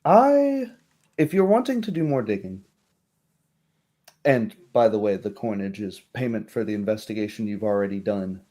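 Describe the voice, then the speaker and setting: A courteous, shrewd baroness played by a man speaks in a low, very mellow voice. The noblewoman chooses genteel words with care, as befits a fantasy tabletop game. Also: animated, moderate pace. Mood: gracious, businesslike. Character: courteous, shrewd baroness, a noblewoman musing over her troubled land.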